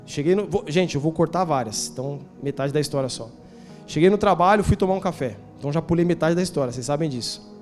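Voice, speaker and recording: Brazilian pastor in his forties, high tenor, chatty storyteller in the pulpit, faint music behind. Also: quick pace, darkish tone. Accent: Brazilian Portuguese. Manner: conversational storytelling with rhetorical questions, slangy asides. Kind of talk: sermon. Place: church.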